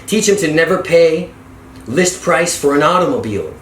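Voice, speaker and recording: A man's voice: on the high side, expressive, moderate pace. A middle-aged man reading a self-help book aloud as a father to his son, with encouraging asides and some stumbled, repeated lines. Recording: echoey room with background noise.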